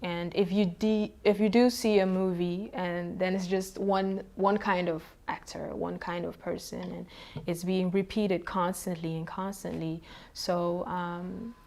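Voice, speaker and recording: A young woman born in Suriname talks through her thoughts in an interview, pausing often and starting sentences over. Her voice sits fairly low and stays level, with little rise and fall. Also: level tone, vocal fry, darkish tone. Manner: hesitant, many ums and restarts. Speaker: poet, interviewee. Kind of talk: casual interview answers.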